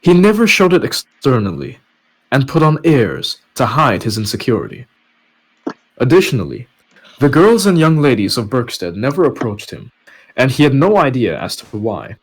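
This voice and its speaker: Male podcast narrator for web fiction, mid-pitched with lively, swinging intonation. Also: normal speed, husky, rough recording. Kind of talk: story narration with casual asides.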